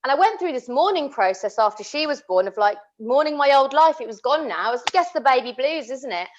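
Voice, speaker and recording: A woman's voice: sits high, animated, brisk, a little hiss or hum. A woman, talking earnestly and passionately, often restarting her sentences. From England. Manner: impassioned, earnest, many restarts. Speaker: podcast co-host. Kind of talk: casual chat. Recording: dull lo-fi audio.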